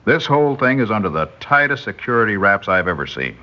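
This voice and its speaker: A man's voice: fairly low pitch, sing-song, fast talker. A man playing a cheerful, trusting male engineer who jokes and teases his colleague in a vintage radio drama. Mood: friendly. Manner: jovial and teasing. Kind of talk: 1950s radio drama acting. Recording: dull lo-fi vintage radio broadcast.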